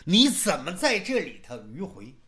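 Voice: medium pitch, huge pitch swings, measured pace, bright, forceful tone. A traditional storyteller, performing animatedly and asking the listeners rhetorical questions.

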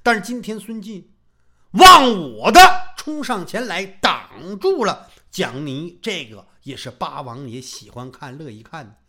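Lively male storyteller, bright voice. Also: high-pitched, measured pace. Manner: lively, addresses the audience directly. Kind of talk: traditional Chinese storytelling performance.

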